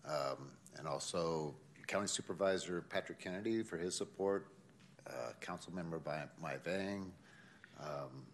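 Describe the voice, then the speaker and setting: A man's voice: deep voice, a little slow, a little hiss or hum. A man from a tree project thanking supporters at a city meeting, rambling as he searches for names. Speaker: tree project volunteer accepting award. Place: city council chamber.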